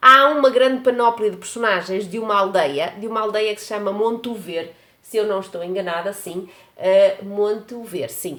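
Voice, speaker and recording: A woman's fairly high, bright and sharp voice at a moderate pace, with ordinary pitch variation and big swings in loudness. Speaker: book youtuber. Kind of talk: book review vlog. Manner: halting, many fillers.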